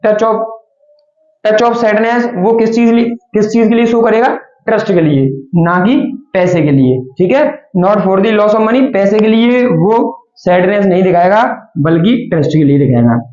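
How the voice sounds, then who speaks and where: High-voiced teacher in echoey room. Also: male voice, a little slow, a little mellow, lo-fi sound. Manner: repeats and answers his own questions, addresses students as children. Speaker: English teacher. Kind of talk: classroom grammar lesson.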